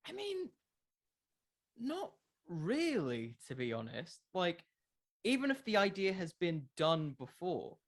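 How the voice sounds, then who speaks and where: A man's voice: high-pitched, wildly swooping pitch, takes it slowly. A man who makes a podcast, answering in a casual interview, explaining his views with plenty of qualifiers. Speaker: podcast creator being interviewed.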